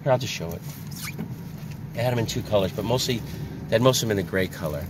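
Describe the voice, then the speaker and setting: A man's voice: on the low side, fast. A man chatting casually as a vlogger and reseller, explaining things in a rambling, conversational way. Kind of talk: casual vlog chat about secondhand finds. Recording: clearly noisy, ambient background.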